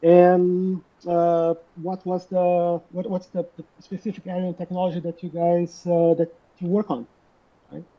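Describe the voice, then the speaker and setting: Seorang wanita moderator yang mengajukan pertanyaan dengan tersendat dan sering mengulang kata. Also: female voice, fairly low pitch, level tone, dull audio. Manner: halting, repeats words. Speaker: panel moderator. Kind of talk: asking interview questions.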